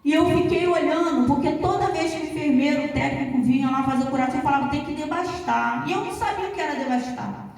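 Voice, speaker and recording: High-voiced woman preaching in an echoey church. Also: quick pace, hardly any pauses, darkish tone. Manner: conversational storytelling preaching, addresses listeners by name. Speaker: pastor. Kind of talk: sermon. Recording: echoey church hall, distant mic.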